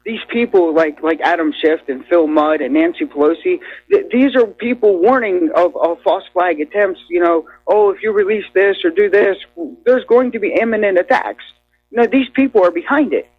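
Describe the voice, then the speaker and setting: Excitable high-pitched male caller on a dull, dry phone line. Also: moderate pace, dry recording. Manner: excited, stumbling restarts. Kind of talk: phoned-in radio call.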